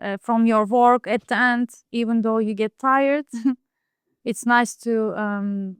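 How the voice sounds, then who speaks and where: A woman, a home cook talking casually in an interview, soft-spoken and hesitant with many fillers. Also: fairly high pitch, fairly even intonation, slow, smooth, no room sound, studio quality. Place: home in Istanbul.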